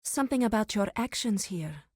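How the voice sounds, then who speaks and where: An actress voicing a solemn, devout tribal woman who tends a sacred grove in a video game, speaking in a measured, reverent, formal way. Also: mid-range voice, animated, a little mellow, husky, no echo, studio quality. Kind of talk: scripted video game character dialogue.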